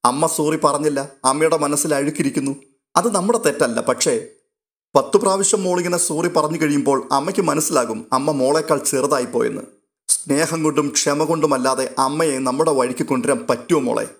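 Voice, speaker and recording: A man reading a story aloud and voicing a caring young woman who gently coaxes a younger girl. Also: a little high, fairly quick, lightly acted. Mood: coaxing.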